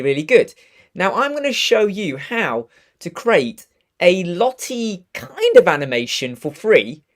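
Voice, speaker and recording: A man in his thirties with a croaky voice from a cold, chatting upbeat through a live web design tutorial. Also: a little high. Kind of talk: casual live tutorial chat. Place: home studio room with purple lighting.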